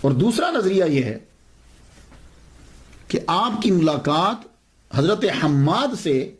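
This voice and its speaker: A man's voice: fairly high pitch, sing-song. A man giving a religious lecture as a story, repeating key phrases and answering his own questions.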